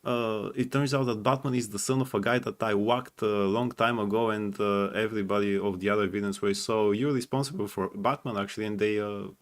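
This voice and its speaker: A man chatting casually and giving his opinions as a fan panelist, often halting and repeating words as he goes. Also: on the low side, steady tone. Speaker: panelist on a fan ranking show.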